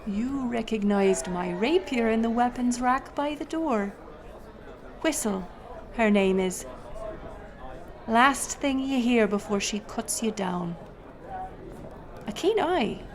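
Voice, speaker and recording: A woman's voice: fairly high pitch, lively intonation, slow, long pauses, crowd noise. A woman playing a bold, sly pirate captain in an audio roleplay, teasing and swaggering as she speaks to the listener. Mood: proud, menacing. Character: bold, sly female pirate captain, a notorious tavern storyteller.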